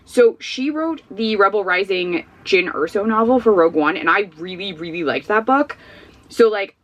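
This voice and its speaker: A woman's voice: mid-range voice, animated, normal speed. A woman vlogging at home, chatting casually and rambling through frank book opinions, sniffly and losing her voice. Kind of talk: casual book review chat.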